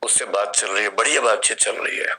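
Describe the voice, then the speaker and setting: A man's voice: lowish voice, brisk, sharp tone. A man in his fifties with an Indian accent, giving a classroom lecture and explaining through questions and vivid examples. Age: 50s. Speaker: philosophy teacher.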